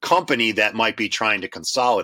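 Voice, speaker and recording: The tone is bright and sharp, in a Wisconsin accent. The sound is dry and close with no echo, on a very clean recording with a silent background. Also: man. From US Midwest, southeastern Wisconsin. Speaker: media law professor. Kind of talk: podcast interview.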